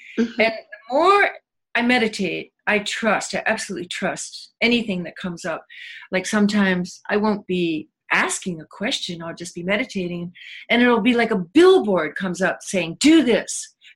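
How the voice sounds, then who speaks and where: A woman's somewhat breathy voice at medium pitch and a moderate pace, lively intonation and big swings in loudness. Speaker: author and artist. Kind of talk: interview.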